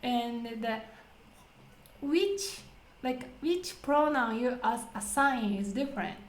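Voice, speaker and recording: High-voiced Japanese-accented woman in echoey room. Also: slow. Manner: asks questions and explains step by step. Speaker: host leading English conversation practice. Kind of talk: casual explanatory lesson talk. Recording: roomy, echoing sound.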